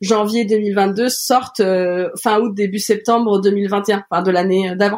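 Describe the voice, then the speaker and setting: In an ordinary speaking voice, a woman talks at a medium pitch with fairly even intonation. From France, Anjou (Angers). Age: 30s. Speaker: illustrator and comic book author. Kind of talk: casual interview chat.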